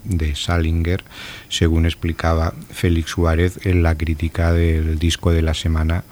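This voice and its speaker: A man with a very low, deep voice hosts a music radio show. He talks in a relaxed, chatty way, jokes lightly and sometimes repeats a phrase as he goes. A faint hum sits under his voice. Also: a little slow. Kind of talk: casual radio chat.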